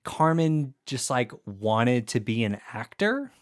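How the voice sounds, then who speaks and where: A man's voice: medium pitch, sing-song, slow. A man co-hosting a podcast in casual chat, laid-back with lots of filler words. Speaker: podcast co-host.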